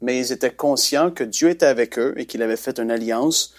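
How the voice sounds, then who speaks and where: A man's voice: medium pitch, fairly quick. Male Christian show host, encouraging, exhorting tone.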